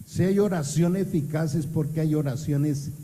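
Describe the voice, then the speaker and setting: With audible room echo, a man speaks at a fairly high pitch in a dark, mellow, somewhat breathy tone with ordinary pitch variation. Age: 70s. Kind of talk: sermon.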